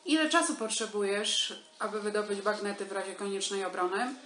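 A middle-aged woman playing a stern, dry army major in a radio comedy, questioning in a clipped, commanding, deadpan way. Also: medium pitch, brisk, lightly acted. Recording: roomy home recording with music.

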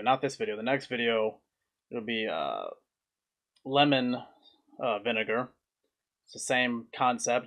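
A young man with a mid-pitched voice talks casually to camera as a food review vlogger. His delivery is plain-spoken and comes in short, halting phrases. He is recorded indoors in a small room, a little way from the camera. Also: fairly bright tone. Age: young adult.

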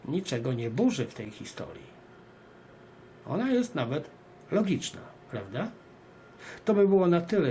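A man's voice: fairly high pitch, a little mellow, slight background noise. A man hosting, reading an article aloud and adding emphatic, rhetorical comments addressed straight to viewers. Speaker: video host and narrator.

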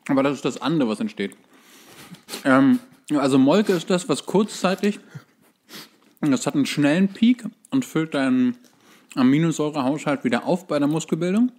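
A man's voice: fairly high pitch, animated, normal speed, long pauses, darkish tone. A man co-hosting a casual podcast, explaining and dryly joking while sounding like he is chewing. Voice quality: chewing, speaking with mouth full. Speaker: podcast co-host. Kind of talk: casual chat.

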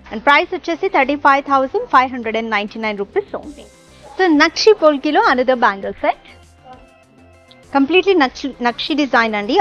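Her voice is high and bright: a young woman presenting jewellery in a showroom, cheerfully selling products in a mix of Telugu and English. The product showcase is captured as a dull, lo-fi voice track with soft music faintly behind it.

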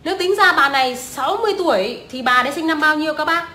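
A woman's voice: high voice, expressive, fast, bright, forceful tone. A young woman, ranting scornfully and swearing often as a vlogger. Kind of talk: profane ranting commentary. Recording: echoey room.

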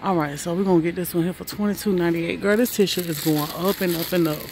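Woman rambling about prices on a phone cam, keeps saying girl, loud store noise behind. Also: on the low side, fast. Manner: chatty, exclaims over prices, keeps calling viewers "girl" and "child". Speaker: vlogger. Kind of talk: casual shop-with-me narration. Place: large warehouse store. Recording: noisy store background.

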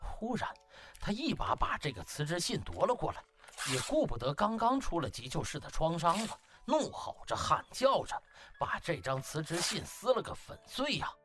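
A man's voice: fairly high pitch, huge pitch swings, normal speed, a bit bright. Brief: male audiobook narrator, dramatic and colloquial, extremely varied intonation, music underneath. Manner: colloquial, theatrical, emphatic exclamations.

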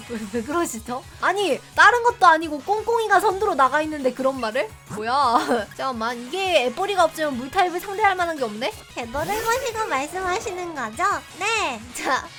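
Chatty high-voiced woman over game music. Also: lively intonation, moderate pace, hardly any pauses. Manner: chatty, reacts loudly and laughs often, teases viewers. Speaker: game streamer. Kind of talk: casual let's-play commentary.

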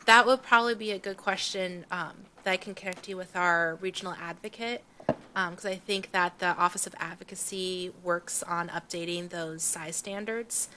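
A woman with a bright, sharp-edged voice answers questions as a panel adviser. She is helpful and accommodating, in a council chamber. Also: on the low side, fairly even intonation, moderate pace, a little hiss or hum. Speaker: small business agency adviser.

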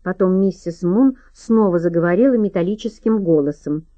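A woman narrating a mystery audiobook in an even, measured reading. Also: on the low side, dry recording. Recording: dry, slightly dull audiobook recording.

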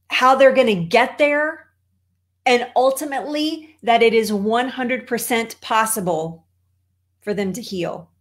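A middle-aged woman from Texas with an American accent, speaking emphatically as a coach to an online audience from a home office. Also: high-pitched. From Texas, United States. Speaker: holistic cancer coach, show host. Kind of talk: motivational talk to an online audience. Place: small home office, indoors.

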